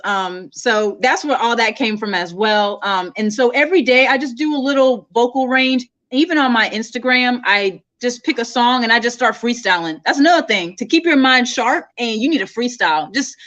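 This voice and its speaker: A woman's voice: a little high, moderate pace, hardly any pauses, a bit bright, muffled recording. A woman singer being interviewed, chatting casually and laughing often.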